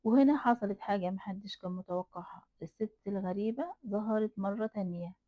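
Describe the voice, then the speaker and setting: A woman's voice: mid-range voice, a little fast, mellow, no echo. A woman with an Egyptian accent narrating a horror folk tale dramatically, repeating phrases for emphasis. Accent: Egyptian Arabic. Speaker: storyteller. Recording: dry tinny phone-like sound.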